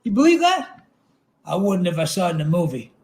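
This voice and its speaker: A man reading aloud as a chatty, folksy state trooper who is quietly suspicious and leans on pointed questions. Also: high voice, big pitch swings, fairly quick. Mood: incredulous. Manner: insistent rhetorical questions. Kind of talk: dramatic literary reading.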